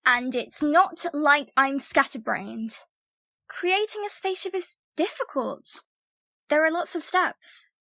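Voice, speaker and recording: An exasperated, bossy young twin sister in an audio drama, played by a woman. Her voice is high and her delivery measured and slow. She is dismissive and skeptical, recorded close and dry. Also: lively intonation, creaky, a bit bright, no echo, exaggerated voice.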